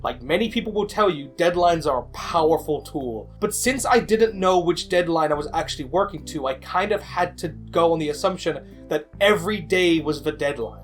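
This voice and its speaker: Higher-pitched man, candid and conversational. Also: moderate pace, hardly any pauses, soft background music. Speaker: indie game developer and video creator. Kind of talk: personal storytelling voice-over for a video.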